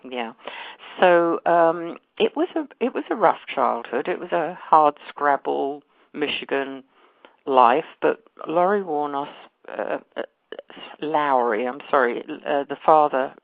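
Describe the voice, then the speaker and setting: A woman from London with a faded London accent, an author talking as a guest in a phone interview, chatty and quick to correct herself. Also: low-pitched, expressive, gravelly, no echo. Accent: London English, faded. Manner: chatty, self-correcting, laughs easily. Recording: dry tinny phone line.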